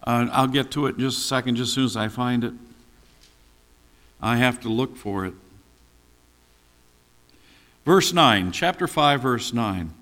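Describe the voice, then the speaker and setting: An older male pastor preaches with a medium-pitched, fairly bright voice at a normal pace, working through a Bible passage conversationally and answering the questions he raises himself. The recording carries a long hall reverb.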